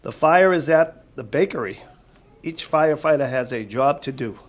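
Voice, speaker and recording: A man reads a picture book to a small audience of children in the role of a firefighter, adding casual asides and simple explanations. His voice is fairly high with lively intonation at a normal speed. It's a noisy live recording of the room.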